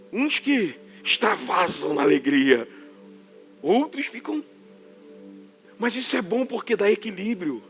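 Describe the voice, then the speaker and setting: A Carioca man preaching in a high voice with forceful emphasis that sounds like scolding. A faint instrument plays under his words. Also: vocal fry. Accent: Carioca Portuguese. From Rio de Janeiro, Brazil. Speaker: pastor. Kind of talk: sermon.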